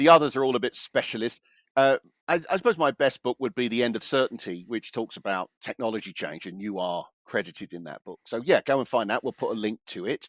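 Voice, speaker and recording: In an English accent, a man talks at a very fast pace with lively intonation and a medium pitch, recorded with a dry, close sound, no echo and a quiet background. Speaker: author and tech commentator. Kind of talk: casual chat.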